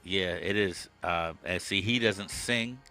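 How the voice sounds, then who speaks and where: A man hosting a podcast, chatting casually with his guest in a relaxed, conversational way from his own studio setup. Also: low voice, slow, soft background music. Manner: relaxed, conversational, with frequent "um" and "okay". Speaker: podcast host. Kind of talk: casual interview chat. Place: home music studio.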